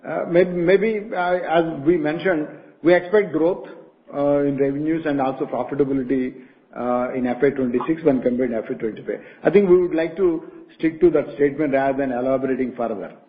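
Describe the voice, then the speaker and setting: Executive on a tinny phone line. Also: male voice, fairly high pitch. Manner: measured, cautious, restarts phrases. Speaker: company executive answering analysts. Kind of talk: earnings call answers. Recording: phone-line conference call audio.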